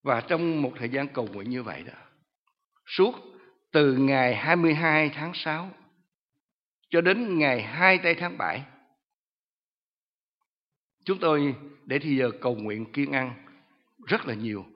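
A man's voice: mid-range voice, lively intonation, measured pace, pauses often, in a large hall, highs cut off. A man, a pastor telling his testimony in a sermon, earnest and commanding.

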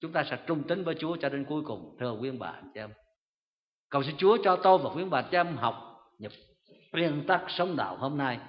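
A man's voice: a little high, animated, a little fast. A man preaching an earnest sermon to his congregation in a church, in a dull recording with long reverb. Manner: earnest exhortation, repeated address to congregation. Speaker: pastor.

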